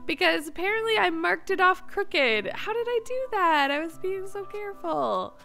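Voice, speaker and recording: A woman's voice: extremely high pitch, very animated, normal speed, creaky, bright, forceful tone, soft background music. A woman hosting a gameplay video, chatting casually and expressively as she talks herself through what she is doing. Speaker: host of a gameplay video series. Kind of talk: casual video game commentary.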